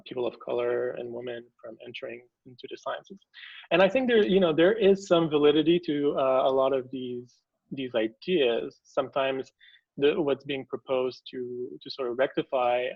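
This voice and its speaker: A man answering as an interview guest, talking hesitantly and with care, often pausing and restarting. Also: mid-range voice, creaky, no room sound, lo-fi sound. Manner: hesitant, many fillers and restarts, measured. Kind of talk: conversational interview.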